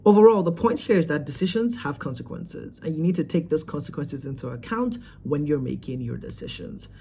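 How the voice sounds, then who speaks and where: A man in his twenties giving a measured voice-over summary between conversation segments. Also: fairly high pitch, expressive, vocal fry, warm tone, slight background noise. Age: 20s.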